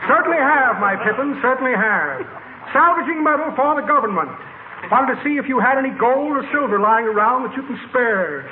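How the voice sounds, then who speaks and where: An actor playing a pompous, smooth-talking middle-aged con man who rambles grandly and calls people silly pet names in a 1940s radio comedy. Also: very high-pitched, expressive, fairly quick. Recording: scratchy, tinny old radio broadcast with hiss.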